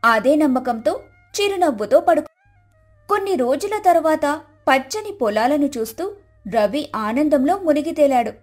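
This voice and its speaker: Female storyteller, high voice, scripted moral-tale narration over music. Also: animated, moderate pace, darkish tone.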